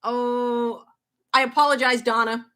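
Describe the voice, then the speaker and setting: A woman's voice: on the high side, little pitch movement, sharp tone. A woman in her thirties with a faint Boston accent, a guitar teacher chatting casually on a livestream and answering viewer questions. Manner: chatty, reads out viewer comments, quick asides.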